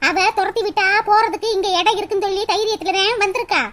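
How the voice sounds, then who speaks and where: A combative young wife from a cartoon, voiced by a woman, who answers everything with sarcasm and mocking laughter. Her voice sits very high and runs quick. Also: fairly even intonation, a bit bright. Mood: scolding. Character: sharp-tongued young wife, scornful and combative. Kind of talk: cartoon voice acting.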